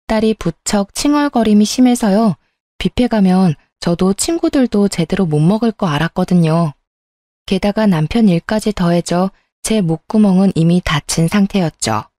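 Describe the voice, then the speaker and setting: A woman's voice: mid-range voice, mellow, dry recording, studio quality. A woman narrating a scripted first-person story in a confiding, plain manner.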